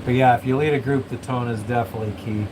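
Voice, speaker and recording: Male vlogger, monotone casual rambler, middle pitch, noisy recording. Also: fast talker. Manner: rambling, swears a lot, self-described monotone. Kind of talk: casual chat. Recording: noisy room with air conditioning and traffic hum.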